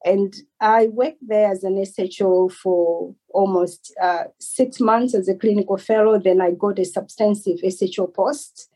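A Malawian woman in her forties, a doctor answering interview questions in a measured, earnest way. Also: medium pitch, fairly even intonation, dark tone, slightly rough, low-quality recording. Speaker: guest, consultant doctor.

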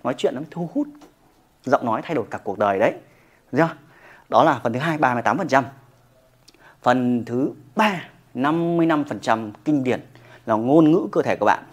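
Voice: medium pitch, expressive, brisk, long pauses. A yoga instructor giving a motivational talk to camera, emphatic and often checking in with the listener through rhetorical questions.

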